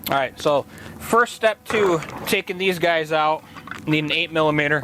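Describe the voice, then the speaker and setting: With noticeable background noise behind him, a man speaks at a moderate pace, his pitch fairly high and its variation ordinary. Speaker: auto vlogger. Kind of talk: tutorial. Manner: casual.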